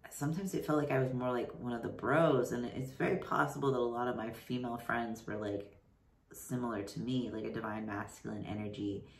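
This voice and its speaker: A man in his thirties chatting casually to his camera, rambling with lots of "like" and "you know", his voice deepening mid-transition. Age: 30s. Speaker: vlogger. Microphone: camera mic. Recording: roomy echo, voice somewhat far from mic.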